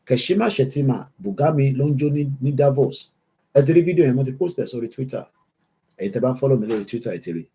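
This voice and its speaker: A man's voice: mid-range voice, lively intonation, very fast, warm tone, slightly rough. A Nigerian man with a Yoruba accent hosts a political livestream, switching between English and Yoruba as he reads out viewer comments. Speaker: host of an online political livestream.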